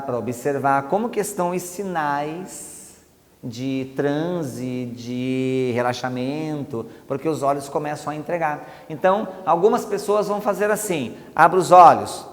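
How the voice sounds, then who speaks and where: A man's voice: fairly high pitch, darkish tone. Brazilian man teaching, reverberant hall. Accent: Brazilian Portuguese. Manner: explains step by step, acts out slow soothing induction commands. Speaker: hypnosis instructor. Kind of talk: teaching a technique with spoken demonstrations.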